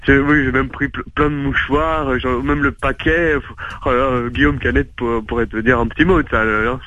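A man's voice: medium pitch, fairly even intonation, brisk, sharp tone. A man on a comic phone call who stammers and hesitates, restarting his words often. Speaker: call-in listener.

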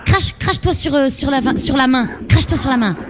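A woman's voice: sits high, animated, fairly quick, very noisy. A woman radio host giving teasing, bossy commands to a caller during a prank call.

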